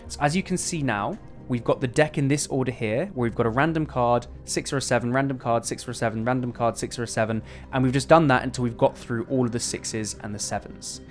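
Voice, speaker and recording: Man, card magician patter, casual tutorial style, instructive, conversational, guitar music in the background. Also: mid-range voice.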